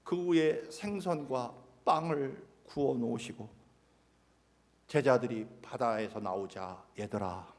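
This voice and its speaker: A male pastor preaching a sermon in a dramatic way, acting out imagined dialogue and swinging from loud to soft. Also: mid-range voice, slow pace. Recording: long church hall reverb.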